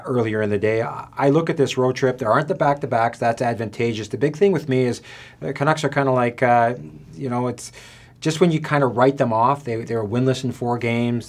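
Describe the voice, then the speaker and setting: A man's voice: medium pitch, darkish tone. A middle-aged male sports columnist giving analysis on a studio panel, thoughtful and hedging with fillers. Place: studio with panel seated on stools.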